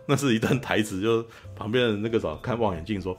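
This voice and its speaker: A man with a Taiwanese Mandarin accent talks quickly in a low-pitched voice while hosting a casual podcast. He retells a film scene in an animated way and keeps tossing in "you know?". Faint music plays underneath. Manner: animated retelling, frequent "you know?" tag, laughs often. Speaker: podcast host. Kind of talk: casual film-review chat.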